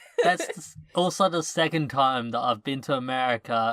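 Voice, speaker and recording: This man has a British accent and a bright, sharp tone with ordinary pitch variation. The recording is very clean with a silent background, and the sound is dry and close with no echo. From Britain. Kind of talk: casual chat.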